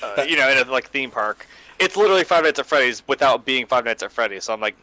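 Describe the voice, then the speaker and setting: A man's voice: medium pitch, quick pace, sharp tone, dry recording, low-quality recording. A man on a discussion panel, talking casually and animatedly and swearing freely. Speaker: podcast panelist.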